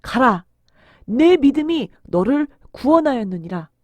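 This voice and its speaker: Holy teacher, acted by a woman: male healer, grave and authoritative, unhurried delivery for a children's Bible tale. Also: sits high, big pitch swings, no echo, heavily acted. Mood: solemn. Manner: slow, solemn, authoritative. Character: solemn, commanding male holy teacher who heals. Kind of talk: dramatised children's Bible storytelling.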